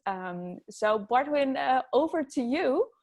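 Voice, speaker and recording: A woman's voice: high-pitched, animated, slow, darkish tone. A woman with a Dutch accent, an agile coach giving an upbeat webinar talk over a video call, with many ums and uhs. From Netherlands. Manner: frequent ums, upbeat and eager. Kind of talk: webinar presentation.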